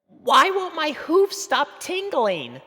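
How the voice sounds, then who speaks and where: Woman voicing an excitable, squeaky young filly pony. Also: takes it slowly, big-room sound, heavily acted. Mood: nervous.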